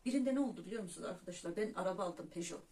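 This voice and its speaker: A woman hosting her own spiritual vlog, talking in an unhurried, personal way and pausing on fillers as she speaks to her viewers as friends. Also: medium pitch, dark tone. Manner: hesitant fillers between phrases. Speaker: YouTube channel host. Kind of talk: casual spiritual vlog monologue. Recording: distant mic with faint background noise.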